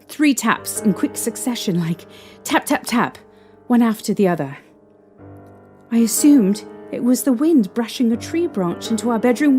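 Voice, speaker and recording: In a fan audio drama, a woman with a fairly high, warm voice plays a shaken young mother being interviewed about past events. She recalls them hesitantly and haltingly, restarting as she goes, with faint music in the background.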